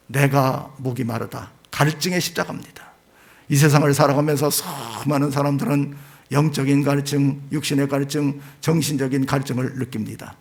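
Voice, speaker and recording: Male pastor, slightly high-pitched and gravelly, emphatic sermon delivery with stressed phrases that fall away low. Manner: emphatic, rising to drawn-out stressed phrases then dropping low. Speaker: pastor preaching.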